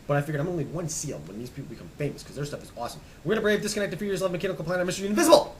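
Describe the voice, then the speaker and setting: A young man casually rambling as he shows off his music collection, stammering and restarting, hoarse and losing his voice. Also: fairly high pitch, very fast, slight background noise, poor audio. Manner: enthusiastic, rambling, stammers and restarts, trails off quietly. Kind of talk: casual rambling show-and-tell.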